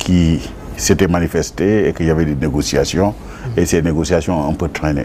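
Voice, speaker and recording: With noticeable background noise behind him, a man talks at a moderate pace in a very deep, low voice with ordinary pitch variation. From Senegal. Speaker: engineer and presidential adviser. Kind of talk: interview. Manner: halting, many repetitions.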